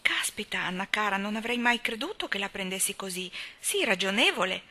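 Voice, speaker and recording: A woman reading aloud, voicing a calm, firm young male doctor who reasons patiently. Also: medium pitch, a little fast, exaggerated voice. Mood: reasoning. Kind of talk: audiobook character reading.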